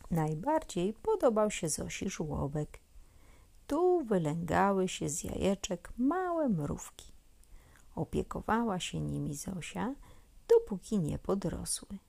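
Woman reading a kids story, slow and gentle, gravelly voice, half whispering sometimes. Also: medium pitch. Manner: gentle and expressive, often dropping to a near whisper. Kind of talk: children's story read aloud.

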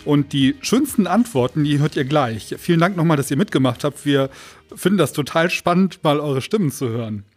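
Slightly husky, higher-pitched male podcast host. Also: animated, a little fast, soft background music. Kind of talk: casual podcast hosting.

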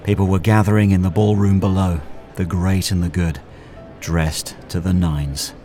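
An actor playing a calm, guarded professional hitman in an audio drama, speaking in a terse, controlled way. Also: low-pitched, normal speed, soft background music, lightly acted. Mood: cool, detached. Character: calm, guarded professional hitman narrating his own story. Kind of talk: audio drama acting and first-person narration.

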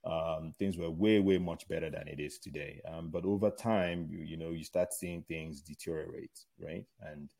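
Deep-voiced Nigerian man telling stories. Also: fairly even intonation, normal speed, creaky, few pauses, warm tone. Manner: rambling, many fillers and restarts. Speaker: guest. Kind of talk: casual interview chat.

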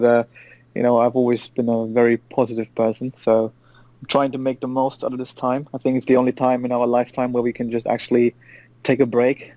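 A man in his thirties from Germany, chatting as a podcast guest in an upbeat, rambling way. His voice is dark and mellow, recorded close and dry. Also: mid-range voice, no room sound, rough recording. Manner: upbeat, rambling, laughs often. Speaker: guest, trader. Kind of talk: casual interview.

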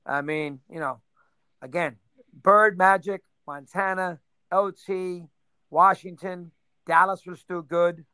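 A man in his sixties, reminiscing in a casual interview, rambling and rattling off names in quick bursts. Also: high-pitched, fairly even intonation, bright, forceful tone, clean tone, no room sound. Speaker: interview guest.

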